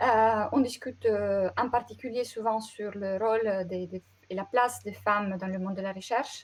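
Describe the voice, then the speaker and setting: A woman with an Italian accent, fairly high pitch, fairly even intonation and a fairly slow pace. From Italy, Sanremo (Liguria). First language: Italian (speaking French). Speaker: astronomer. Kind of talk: interview.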